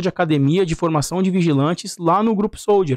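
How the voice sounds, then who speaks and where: Over a quiet background, a man talks at a fairly quick pace in a plain, everyday voice, the sound dry and close with no echo. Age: 30s. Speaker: corporate security head. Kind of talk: interview, personal story.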